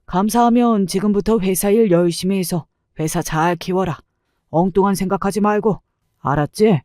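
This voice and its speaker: A woman voicing a gruff elderly man who speaks bluntly and gives short commands, in a story narration. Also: mid-range voice, normal speed, dark tone, dry recording, studio quality, natural voice. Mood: stern. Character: gruff elderly male neighbor, blunt and protective.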